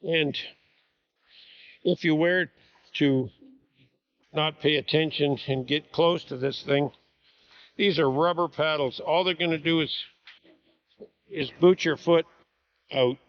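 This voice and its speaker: A man with a fairly high voice talks slowly and quietly on a handheld camera. He is inside a big, empty metal grain bin, and each word echoes back off the curved walls. His walkthrough is relaxed and casual, with plenty of fillers. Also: highs cut off. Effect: echoey voice inside a large metal grain bin. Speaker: farmer showing a grain bin build.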